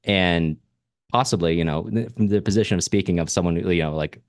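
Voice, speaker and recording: A man's voice: low-pitched, fairly quick, dry recording, clean studio sound. A man co-hosting a podcast, talking through a book in a casual, discursive and analytical way, often rephrasing himself mid-thought. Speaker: podcast co-host discussing a novel.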